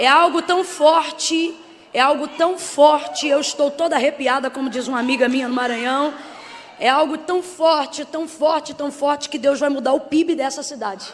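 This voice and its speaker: A woman speaks at a high pitch with fairly even intonation. Noticeable background noise is present. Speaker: pastor. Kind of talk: sermon. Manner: slow.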